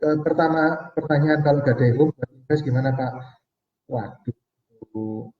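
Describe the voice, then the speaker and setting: A man in his forties gives a live online money seminar with a slightly high voice, talking to viewers as friends and reading out their comments. His voice sounds distant and dull, caught in a roomy space. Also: measured pace. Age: 40s. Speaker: financial seminar speaker.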